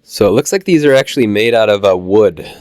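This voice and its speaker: A man with a Midwestern American accent, casually narrating a walk through a model train show, halting with fillers while he gets over a cold. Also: fairly low pitch, dry recording, clean studio sound. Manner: relaxed, halting with many "uh" fillers. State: recovering from a cold. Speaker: channel host touring a train show.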